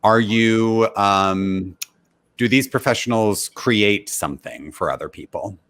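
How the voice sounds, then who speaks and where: A man's voice: lowish voice, slow pace, fairly bright tone, smooth. A man playing as a game contestant, asking casual questions and chiming in agreeably with the others.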